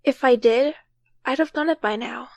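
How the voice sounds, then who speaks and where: A woman's voice: sits high, moderate pace, gravelly, darkish tone, dry recording. A woman playing an earnest, cautious young time traveler who takes charge and explains things carefully in an audio drama. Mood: explaining, thoughtful.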